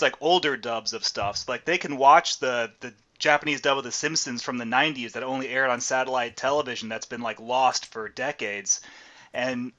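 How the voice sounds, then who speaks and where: Guy hosting a chat stream, bright tense voice, kinda muffled lo-fi audio. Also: medium pitch. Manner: explains at length, swears casually. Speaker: podcast host. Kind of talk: casual chat.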